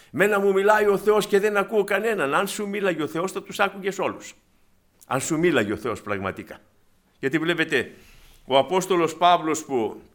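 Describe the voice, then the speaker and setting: A man preaching a sermon in a bright, forceful voice that sits a little high. He is animated, keeps calling the congregation brothers and sisters, and acts out the people in his stories.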